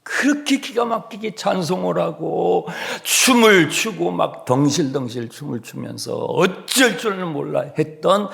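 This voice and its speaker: A male pastor preaching an expository sermon, animated, sometimes dropping to a hushed whisper for emphasis. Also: on the high side, a little slow, vocal fry, few pauses. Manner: animated, acts out complaining voices and sings hymn lines.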